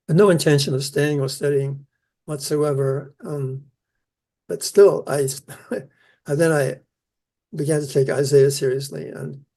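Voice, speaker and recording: An older man, born in the Netherlands and raised in New Zealand, answering interview questions about his scripture research in an earnest, measured way. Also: a little high, vocal fry, mellow. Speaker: Isaiah scholar, keynote speaker.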